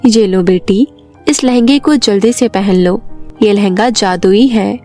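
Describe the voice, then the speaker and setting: A woman voicing the loving spirit of a dead mother in an animated storybook, speaking calmly and soothingly. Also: mid-range voice, measured pace, faint music behind, close to an everyday voice.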